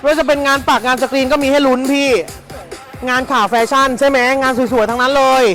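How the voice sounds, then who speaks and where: High-pitched, hyped live-stream clothes seller. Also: fairly even intonation, fast, a bit bright, soft background music. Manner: repeats phrases emphatically, chatty and persuasive.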